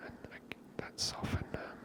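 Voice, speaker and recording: A woman who hosts an ASMR series talks through a video game in an unhurried, casual, musing way, never rising above a soft, breathy whisper.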